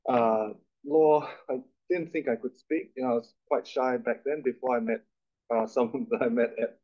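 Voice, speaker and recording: A middle-aged man from Malaysia talks through his story in a chatty, self-deprecating way, often restarting his sentences. The recording sounds muffled and lo-fi. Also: medium pitch. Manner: chatty, self-deprecating, many repeated starts. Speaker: guest speaker. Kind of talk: conversational interview on stage. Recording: dull lo-fi recording.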